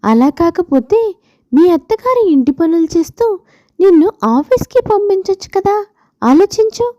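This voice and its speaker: A woman's voice: extremely high pitch, big pitch swings, normal speed, warm tone, dry recording, muffled recording, voice pushed up. A woman voicing a bossy, scheming divorced friend in a story, insistent and goading as she gives advice. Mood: insistent warning.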